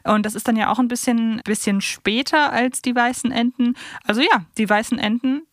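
A woman's voice: on the high side, moderate pace, no echo, studio quality. A woman chatting casually as a podcast co-host.

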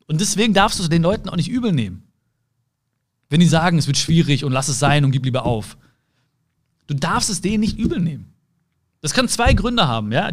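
Earnest man giving a motivational talk. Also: fairly high pitch. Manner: earnest, swings between soft slow words and quick asides; addresses the listener directly with repeated phrases. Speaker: motivational speaker. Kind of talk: motivational monologue.

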